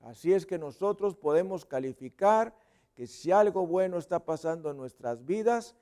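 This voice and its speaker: A man's voice: sits high, animated, normal speed. A man with a Mexican accent preaching a sermon as a pastor, playfully acting out sounds and voices and dropping at times to a whisper. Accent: Mexican Spanish. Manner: playful, acts out sounds and voices with sudden loud and whispered bits. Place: church service.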